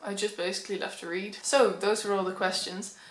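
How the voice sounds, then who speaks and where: Young Dutch-accented woman, casual book vlog to camera, candid and slightly nervous, mid-pitched voice, roomy echo. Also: steady tone, brisk. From Netherlands. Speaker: book vlogger. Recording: echoey room.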